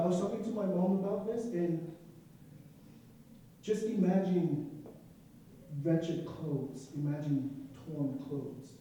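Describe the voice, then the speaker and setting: This student speaker is a young man from Nigeria whose Nigerian accent colors an earnest, emotional personal story told to a crowd, sprinkled with asides. His slightly high voice carries a dark tone. There's some background noise, and the echoey room leaves him sounding far from the microphone.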